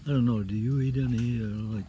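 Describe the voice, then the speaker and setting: A very old man in his nineties chatting casually as an interview guest, giving brief, halting answers. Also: medium pitch, fairly even intonation, mellow. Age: 90s. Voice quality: very old man's voice. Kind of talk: casual chat. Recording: clear background noise.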